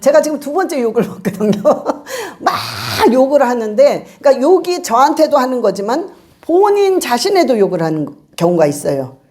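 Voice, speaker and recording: A woman pastor preaching a sermon, telling a story in a lively way and acting out the lines of the people in it. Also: sits high, normal speed. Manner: lively storytelling with acted-out quotes.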